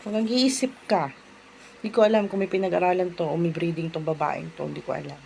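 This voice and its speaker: A woman's voice: fairly low pitch, steady tone, quick pace, gravelly, mellow, slight background noise. A young woman vlogging from her bedroom, chatting casually and ranting in an exasperated way. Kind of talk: casual vlog chat. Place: home bedroom.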